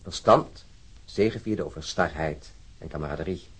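An actor playing an earnest, disillusioned police officer in a radio drama, with a husky voice and a deliberate, wryly lecturing manner. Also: male voice, a bass voice, low-quality recording. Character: disillusioned, earnest male Stockholm police officer, talking at length. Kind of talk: naturalistic radio drama acting.

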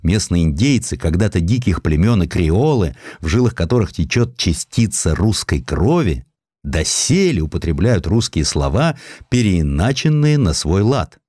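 Male narrator for historical prose: low voice, highly varied intonation, theatrical storytelling, close dry studio sound. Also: sing-song, moderate pace, dark tone, no room sound. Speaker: audiobook narrator. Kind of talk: dramatized literary narration of a historical sketch.

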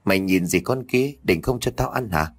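A possessed young man snarls rude threats in a low, gruff voice, as a male storyteller plays him. His delivery swings sharply between growls and rises. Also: lively intonation, moderate pace. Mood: menacing.

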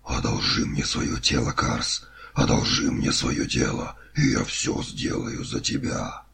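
A man voicing an ancient imprisoned male being, proud and remorseful, in whispered role-play with a gravelly, brooding delivery. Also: a bass voice, lively intonation, pitched below the performer's own voice, heavily acted. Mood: pleading. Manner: slow, brooding.

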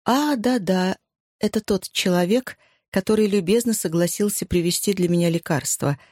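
A woman reading the part of a reserved older landlady recovering from illness, brisk and a little short of breath. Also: medium pitch, darkish tone, no room sound, clean studio sound, close to an everyday voice. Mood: polite.

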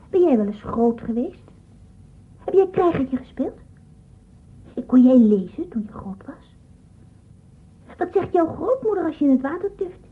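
A woman voicing a curious, naive small child, prattling and questioning in a radio play. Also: sits high. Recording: muffled, phone-like old radio recording.

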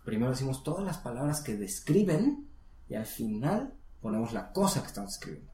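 Patient coaching teacher, echoey room. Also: female voice, very deep voice, big pitch swings, brisk, warm tone. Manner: patient, coaching, models pronunciation. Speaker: English teacher. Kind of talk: one-on-one language lesson.

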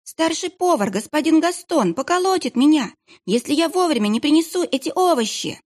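A woman's voice: high voice, animated, fairly quick, darkish tone, voice pushed up. A woman voicing a frightened young kitchen boy who whines and whimpers. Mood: frightened pleading. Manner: squealing, whining, tearful.

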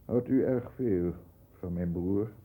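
An actor playing a composed, protective lawyer in a 1960s radio play, speaking formal, measured Netherlands Dutch. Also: male voice, low voice, husky, narrow, tinny audio, full character voice. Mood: controlled, probing. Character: composed middle-class lawyer, protective older brother, narrating. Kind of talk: 1960s Dutch radio play, first-person narration and dialogue.

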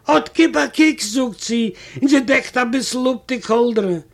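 A man's voice: very high voice, measured pace, gravelly. A man reading a comic first-person story aloud, in a wry, chatty manner that keeps coming back to "I say". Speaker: reader of a humorous story.

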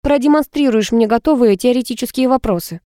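A woman's voice: a little high, brisk, no echo, clean studio sound, pitched above the performer's own voice, close to an everyday voice. A woman voicing an irritable, stubborn young female student who talks back sharply. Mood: bossy, stubborn. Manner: snappish, sharp-tongued.

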